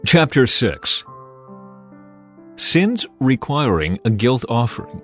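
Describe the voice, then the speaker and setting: A man narrating scripture as a dramatized audio reading, with a solemn, measured and emphatic manner. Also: mid-range voice, big pitch swings, a bit bright. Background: background music.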